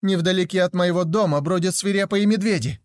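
A man voicing a cunning woman, an aunt, who talks slowly in a falsely kind, honeyed way. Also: high voice, no echo, clean studio sound, pitched above the performer's own voice, close to an everyday voice. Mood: falsely sweet.

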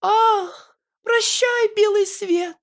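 Shrill wailing village heroine , put on by a man. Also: fairly even intonation, drawn-out words, vocal fry, fairly bright tone, heavily acted. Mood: melodramatic despair. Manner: shrill, sing-song and theatrically wailing. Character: young female peasant heroine of a village melodrama, tearful, lamenting.

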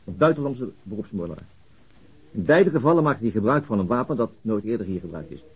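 A man playing a sober, methodical police detective in a radio drama, reasoning in a deliberate, matter-of-fact way. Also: on the low side, animated, slightly rough. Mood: earnest, reasoning. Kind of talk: Dutch radio drama acting. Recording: dull, lo-fi radio drama recording.

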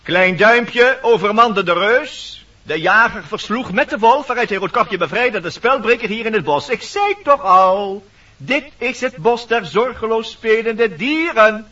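A man's voice: high voice, lively intonation, a little slow, pushed and bright, full character voice. A man voicing a talkative, fussy woodpecker who narrates theatrically in a radio play. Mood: brisk, confident. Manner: theatrical, addressing audience, fussy. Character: talkative, lively woodpecker, protective leader and narrator. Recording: dull, distant vintage radio recording.

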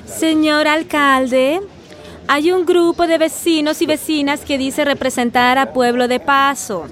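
Woman voicing polite secretary, hesitant, very high voice, slow, soft music behind. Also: fairly even intonation. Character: polite young female secretary at the mayor's office. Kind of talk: radio drama acting.

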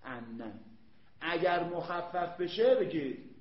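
A man's voice: on the high side, very animated. A man teaching an Arabic grammar lesson, emphatic, repeating points and quizzing his students. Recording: echoey room, dull lo-fi sound.

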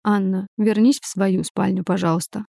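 Storybook part: a woman voicing a blunt, smirking man with clipped replies; warm, mellow tone. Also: mid-range voice, steady tone, normal speed, creaky, dry recording. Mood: polite request. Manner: curt, dry replies.

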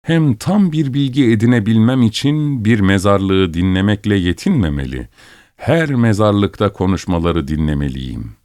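A man narrating an audiobook in a measured, musing reading voice. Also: on the low side, expressive, a little mellow, no echo, clean studio sound.

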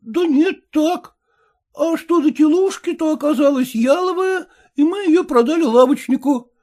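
A man's voice: very high-pitched, measured pace, a little mellow, voice pushed up. A man voicing a drowsy, hungover young peasant who drawls lazily and yawns between words. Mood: reading haltingly.

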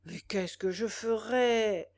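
A woman voicing an elderly farmer father who grumbles in plain, slow words, in a read-aloud novel. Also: medium pitch, gravelly, a little mellow. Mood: grumbling. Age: older.

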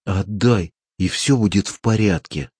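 A man voicing a greedy, fat male street photographer who screams in a shrill, frantic way in an audiobook. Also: unhurried, a little mellow, breathy edge, no room sound, clean studio sound. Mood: hopeful.

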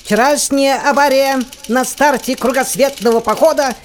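An actress plays the voice of a newspaper in an audio play. She is high-pitched and formal, declaiming a press report over faint clicking noise. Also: fairly even intonation, moderate pace, natural voice. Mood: crisp announcing. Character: newspaper voice reading out a news report.

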